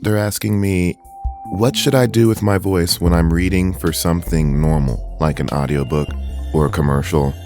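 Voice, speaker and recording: A man's voice: sits low, normal speed, darkish tone, faint music behind. A man coaching voice acting in a casual, earnest tutorial. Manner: casual, conversational, earnest advice.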